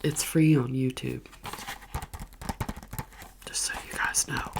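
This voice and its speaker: Low creaky whispering woman, keyboard clicks. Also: steady tone, takes it slowly. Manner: soft whispering, chatty and gushing. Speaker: ASMR vlogger. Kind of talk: whispered ASMR movie recommendations. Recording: keyboard clicks and typing behind voice.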